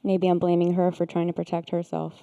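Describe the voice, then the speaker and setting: A woman sharing a painful personal story, hesitant and halting, often pausing with fillers. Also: fairly low pitch, completely flat delivery, warm tone, lo-fi sound. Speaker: participant, therapist.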